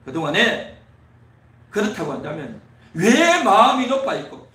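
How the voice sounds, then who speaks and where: Male pastor, high bright voice, lively delivery, preaching in a church, echoey and off-mic. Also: recorded from a distance. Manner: preaching with rising emphatic repetition. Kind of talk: sermon. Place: church sanctuary.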